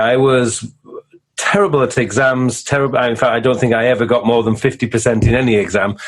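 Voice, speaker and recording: A man at a medium pitch, talking at a moderate pace. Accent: Yorkshire. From northern England, Leeds. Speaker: productivity coach and author. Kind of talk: interview.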